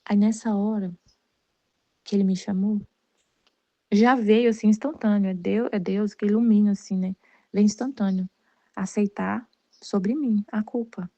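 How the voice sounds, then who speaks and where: A woman's voice: mid-range voice, steady tone, measured pace, long pauses, warm tone, dry recording. A Brazilian woman giving a casual personal faith testimony, rambling with many restarts and repeated words. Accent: Brazilian Portuguese. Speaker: Catholic study group leader.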